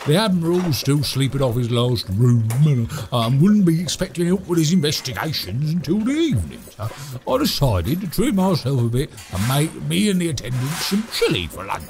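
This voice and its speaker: A man's voice: a little high, very animated, moderate pace, a little mellow. A man playing a chirpy, timid British handyman putting on brave cheer in an audio drama, rambling and stammering with nervous chuckles. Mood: chatty, chirpy.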